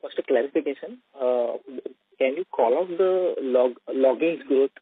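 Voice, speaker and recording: A man asks questions on a conference call as an analyst. His voice is rough and husky, carried dry over a thin telephone line. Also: mid-range voice, a little slow, no room sound. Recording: dry, narrow phone line.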